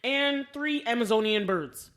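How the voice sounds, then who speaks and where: A woman's voice: fairly high pitch, lively intonation, unhurried, a bit bright. An American woman co-hosting a podcast, telling stories casually in a chatty, enthusiastic and emphatic way. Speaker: podcast co-host. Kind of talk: casual chat, storytelling.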